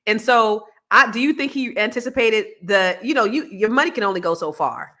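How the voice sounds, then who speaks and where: Woman hosting a panel, asks the others questions, lively, middle pitch. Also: brisk. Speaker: host. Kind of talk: casual panel discussion.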